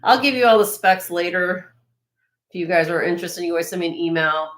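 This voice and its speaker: A woman with a slightly raspy, lowish voice hosts a live jewelry sale. She talks in a casual, chatty way and admires each piece as she shows it, often restarting her sentences. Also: brisk, fairly bright tone. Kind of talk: casual show-and-tell product presentation.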